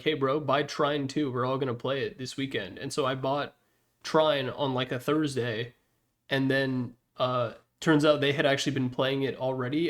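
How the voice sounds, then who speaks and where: A man hosting a gaming video with casual, unscripted tier-list commentary, rambling along in a jokey, self-deprecating way. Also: mid-range voice.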